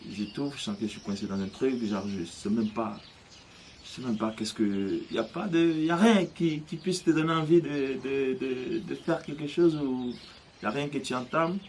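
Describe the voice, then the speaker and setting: A man, telling his own story in a hesitant, halting way full of restarts. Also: medium pitch, slight background noise. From Côte d'Ivoire. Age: 30s. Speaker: interviewee. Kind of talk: personal testimony.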